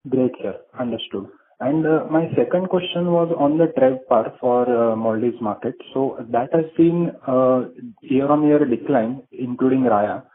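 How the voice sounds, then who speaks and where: A male financial analyst asking questions on an earnings call in a halting, deferential way. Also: mid-range voice. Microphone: phone call. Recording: narrow tinny phone line.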